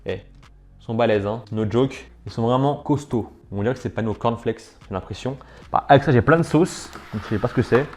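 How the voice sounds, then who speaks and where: A man's voice: medium pitch, fairly quick, darkish tone, slight background noise. A man chatting casually as he tastes and reviews food for his vlog, sometimes talking with his mouth full. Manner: chatty, talks with mouth full while tasting. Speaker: food challenge vlogger.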